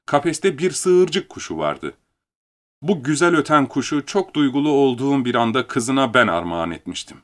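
Animated male storyteller. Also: medium pitch, normal speed. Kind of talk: dramatic audiobook reading.

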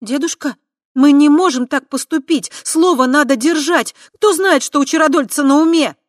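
A reader voicing a young red-haired sorceress who talks in a high, emotional, insistent way. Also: female voice, normal speed, no room sound, clean studio sound, lightly acted. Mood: indignant.

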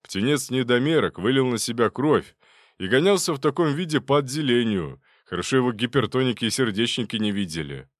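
A man voicing a gruff, stern male doctor who scolds his interns loudly. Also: mid-range voice, expressive, a little fast, no echo, clean studio sound, natural voice. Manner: barking, exasperated scolding.

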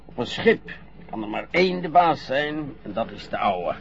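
An actor playing a frail, stubborn old retired ship captain who grumbles and stammers. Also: male voice, mid-range voice, sing-song, normal speed, gravelly, dull audio. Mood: grumpy. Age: older. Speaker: actor in a radio play. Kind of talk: radio drama acting.

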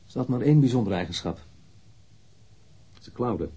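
An actor playing a blunt, candid man in his thirties, a witness answering police questions matter-of-factly in a husky voice in a radio drama. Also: medium pitch, animated, moderate pace, warm tone. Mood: frank, blunt. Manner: matter-of-fact, precise, blunt. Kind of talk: radio drama interrogation acting.

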